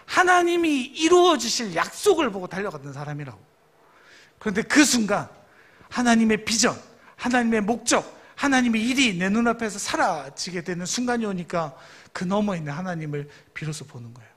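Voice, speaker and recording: A man's voice: high-pitched, lively intonation, brisk, fairly bright tone. A man in his thirties, a youth pastor, preaching a sermon in a storytelling way and asking the congregation questions.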